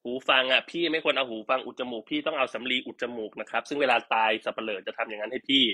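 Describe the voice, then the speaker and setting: A man's voice: medium pitch, racing, bright, forceful tone. A man chatting casually and teasing jokingly while selling products on a live stream.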